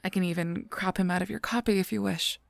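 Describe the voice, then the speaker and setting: An actor playing a solemn, protective guardian angel in an audio drama, speaking gravely and formally with a husky voice. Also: mid-range voice, fairly even intonation, dry recording, close to an everyday voice. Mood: gentle, earnest. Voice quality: husky, breathy, creaky voice. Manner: grave, measured, formal speech. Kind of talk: scripted audio roleplay acting.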